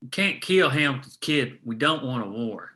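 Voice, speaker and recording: Cautious, level-headed man, acted by a male reader: plain-spoken, reasoning, strikingly bright and forceful, drama. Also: mid-range voice, lively intonation, normal speed. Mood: urging, firm. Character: level-headed, cautious ally urging restraint. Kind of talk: script table read.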